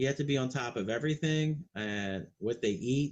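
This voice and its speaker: An American accent marks this man's speech, an ordinary speaking voice with ordinary pitch variation. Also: quiet background. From New Jersey, US. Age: 50s. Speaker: insurance agent. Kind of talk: interview conversation.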